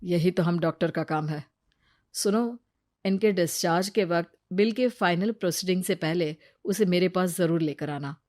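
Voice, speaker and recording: A woman voicing a stern but kind grown man who is a doctor in a cartoon story, speaking firmly and quietly. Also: normal speed, no echo, studio quality, lightly acted. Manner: firm, commanding, low-key.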